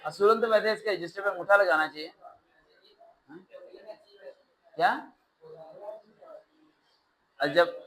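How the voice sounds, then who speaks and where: A man teaching a test-prep class, lecturing in an animated way with sarcastic, ranting asides. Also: high-pitched, moderate pace, low-quality recording.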